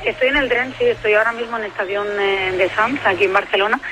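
Quick, wry woman calling in from a train. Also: medium pitch, bright, forceful tone, a little hiss or hum, poor audio. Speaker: radio contributor. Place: on a train at a station.

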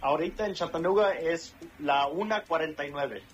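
A man's voice: fairly high pitch, normal speed, muffled recording, slight background noise. A Mexican man with a Mexican accent, a restaurant manager calling in to a radio show, polite and friendly. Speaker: phone-in guest, restaurant manager.

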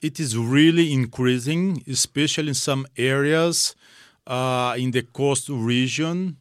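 A man's voice: medium pitch, no room sound, clean studio sound. Earnest missionary man, English. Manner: earnest, simple second-language English with pauses. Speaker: missionary guest. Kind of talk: interview, personal testimony.

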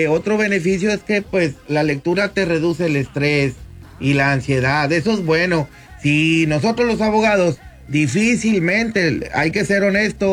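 Brief: male lawyer, 50s, radio guest, measured explainer, slightly high voice, soft music bed underneath. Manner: measured, explanatory, often addresses the host by name. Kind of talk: radio talk segment. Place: radio studio booth.

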